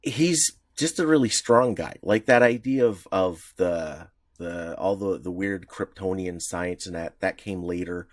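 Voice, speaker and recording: A man with a very low, deep voice co-hosts a podcast, chatting casually and laughing often. His sound is dry and close, with no room echo at all. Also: a little slow, hardly any pauses. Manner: laughs often, chimes in with short agreements. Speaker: podcast co-host. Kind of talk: casual chat about comic history.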